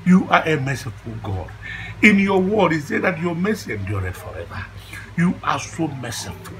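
A man's voice: on the high side, sing-song, moderate pace, fairly bright tone, slight background noise. A man with a Nigerian Igbo accent playing a devout, easily indignant older father in a comedy film, theatrical and repetitive, mixing English and Igbo. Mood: pleading, fervent. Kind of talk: comedy film acting with loud pleading prayer.

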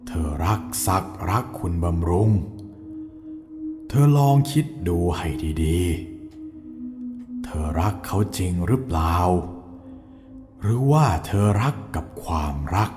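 An actor playing a stern older nobleman who lectures slowly and calmly about fate, set against soft meditative music. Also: sits low, full character voice. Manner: slow, sermon-like, lecturing. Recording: long hall reverb with music bed.

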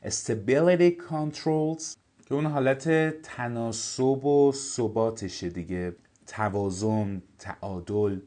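A man teaching an English textbook with a Persian accent. He reads English phrases slowly and carefully, then explains them quickly and casually. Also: lowish voice, steady tone, warm tone.

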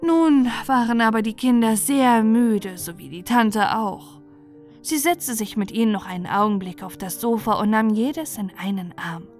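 A woman's voice: a little high, normal speed, darkish tone. A woman storyteller reading a scripted bedtime fairy tale. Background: music.

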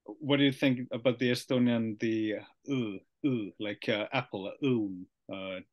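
A young man with a Finnish accent hosts a relaxed video-call chat. He speaks at an unhurried pace, pausing as he sounds out unfamiliar words, his voice of middling pitch in a small indoor room. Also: lo-fi sound. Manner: slow, hesitant, trying out new words. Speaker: podcast host. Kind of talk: casual video-call interview.

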